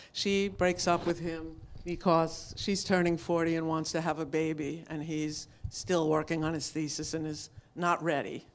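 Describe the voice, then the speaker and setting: A woman reading literary prose aloud at a live event, as an author who adds informal asides. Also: sits low. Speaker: author reading from own novel.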